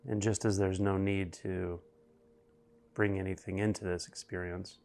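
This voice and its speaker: A man guiding a meditation, speaking slowly and deliberately with long pauses between phrases. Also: low voice, little pitch movement, a little mellow. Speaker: meditation guide. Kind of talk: guided meditation narration.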